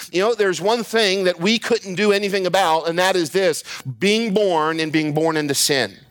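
Backed by music, a man speaks in a high voice at a moderate pace, with ordinary pitch variation and very even loudness. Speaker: preacher. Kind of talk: sermon. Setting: church. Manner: animated, call-and-response, urging the congregation to say amen; repetitive, halting, stumbling and restarting phrases.

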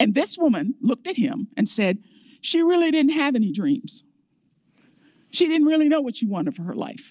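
A woman with an American accent speaks in a high pitch and dark, mellow tone, her very wide pitch swings separated by long, frequent pauses. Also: moderate pace. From Virginia, US. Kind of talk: sermon. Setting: church service.

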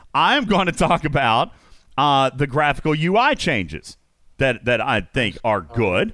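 A man speaks with an animated, bright, sharp tone, very wide pitch swings and vocal fry. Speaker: podcast host. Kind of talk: casual chat.

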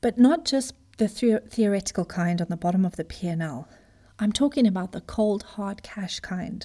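A woman's medium-pitched, somewhat breathy voice with a dark, mellow tone, lively intonation and a moderate pace. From Zimbabwe. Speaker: business coach podcast host. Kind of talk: scripted podcast monologue.

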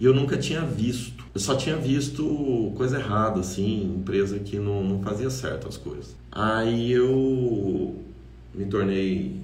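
A man's fairly low voice with very wide pitch swings, a fairly slow pace, and audible room echo. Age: 40s. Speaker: podcast host, import business owner. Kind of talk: casual monologue.

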